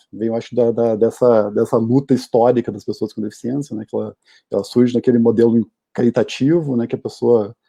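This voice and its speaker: Against a quiet background, a man with a dark, mellow tone talks fairly quickly in a flat monotone, the sound dry and close with no echo. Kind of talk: panel discussion. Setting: video call. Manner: fast; halting, many repetitions.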